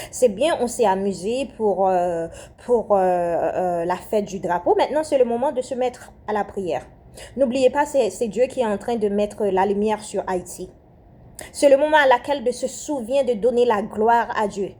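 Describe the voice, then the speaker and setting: A young Haitian-born Christian woman with a French accent delivers a fervent spoken prayer message. Her voice is a little high and mellow, and she repeats phrases, hesitates, and often restarts her sentences.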